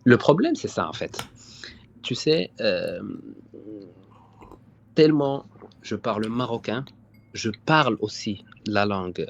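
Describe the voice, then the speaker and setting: A young man from Morocco speaks in a fairly low voice over a muffled, dull call line. He answers slowly and haltingly, often restarting his sentences. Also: animated, a little hiss or hum. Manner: hesitant, repeats words, often says "sincèrement". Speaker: guest. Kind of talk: casual interview on a live stream.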